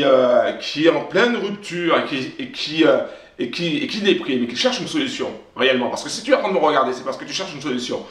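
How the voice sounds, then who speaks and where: A man's voice: medium pitch, reverberant. A man giving a motivational talk straight to camera, emphatic and repetitive, often restarting his phrases. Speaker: self-help vlogger.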